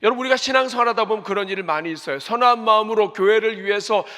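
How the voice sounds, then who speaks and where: A man's voice: sits high, rapid-fire, pushed and bright. A man, a senior pastor, preaching a sermon in earnest, asking the congregation rhetorical questions. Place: church sanctuary. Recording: reverberant church hall.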